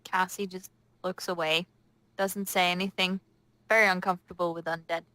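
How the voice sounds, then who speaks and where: A woman's voice: lowish voice, flat delivery, normal speed, pushed and bright, no echo. Woman gamer with close, dry sound. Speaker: tabletop roleplay player. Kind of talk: casual in-character game talk.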